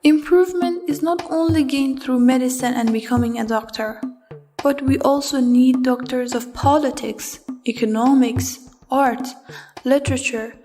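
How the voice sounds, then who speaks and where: A young woman from Afghanistan speaks in a slightly high voice, telling her own story in an unhurried, heartfelt voice-over. Soft music plays under her words. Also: steady tone. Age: young adult. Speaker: student. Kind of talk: reflective personal narration.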